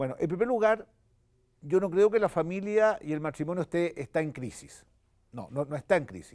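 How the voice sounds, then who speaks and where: Speaking at a moderate speed, this voice pairs lively intonation with a dark, mellow tone. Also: man. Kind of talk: interview.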